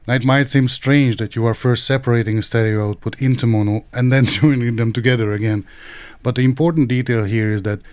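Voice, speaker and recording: A man's voice: mid-range voice, darkish tone, no room sound. Man presenting a tutorial, very dry close sound. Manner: methodical, precise, explanatory. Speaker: tech reviewer and tutorial presenter. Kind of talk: instructional tech tutorial narration.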